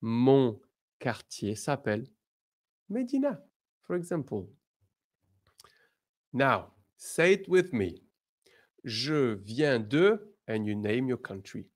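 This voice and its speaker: A man teaching a beginners' lesson, drawing out model words slowly and breaking into lively emphatic bursts. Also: medium pitch. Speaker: French teacher.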